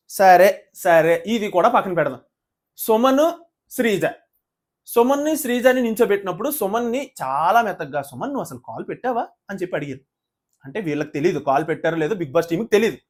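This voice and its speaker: Brief: high-pitched man, rapid indignant show-review rant. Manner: indignant, rhetorical questions, fast ranting. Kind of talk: heated casual commentary.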